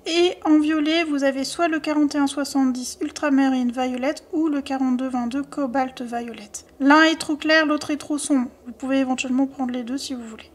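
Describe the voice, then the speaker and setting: A woman's voice: high voice, fairly even intonation, moderate pace, few pauses. A woman hosting a casual drawing tutorial, chatty as she lists pencil colors and their codes, with small self-mocking asides. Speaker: art tutorial host.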